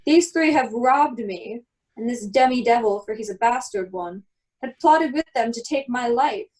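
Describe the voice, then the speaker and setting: A woman's voice: on the high side, animated, normal speed, a little mellow, close to an everyday voice. A woman playing a commanding, wronged duke and magician in a Shakespeare radio play. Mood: accusing, stern. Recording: distant from the microphone.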